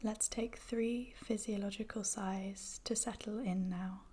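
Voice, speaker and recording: A woman with a soft, whispery voice guides a meditation in a soothing, gentle, measured manner. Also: mid-range voice, steady tone, slightly rough. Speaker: yoga nidra guide.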